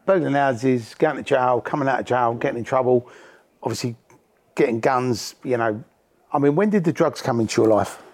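A man's voice: medium pitch, normal speed, a little mellow. A middle-aged man, hosting a podcast in a casual, chatty interview style. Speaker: podcast host.

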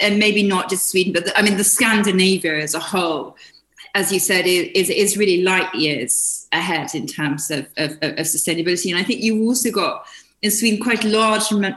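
A woman hosts a podcast in a room with a clear echo. She gushes over her guest and often stammers, repeating small words before she gets going. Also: lowish voice, a little fast, a bit bright. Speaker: podcast host. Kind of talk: casual interview chat.

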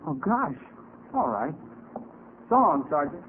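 Brash boyish american ex gi, high bouncy voice, old 40s radio drama, tinny n hissy. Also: male voice, big pitch swings, slow pace. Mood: boyish, curious. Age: young adult. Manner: slangy, boyish and cheeky. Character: eager, brash young ex-soldier wanting to be a detective. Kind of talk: 1940s radio acting. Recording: muffled hissy 1940s radio recording.

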